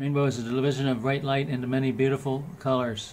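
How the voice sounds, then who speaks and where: A man's flat, monotone voice at a moderate pace, with light background noise. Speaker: speech therapy patient with Parkinson's. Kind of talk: reading passage aloud with device in ear. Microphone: phone near.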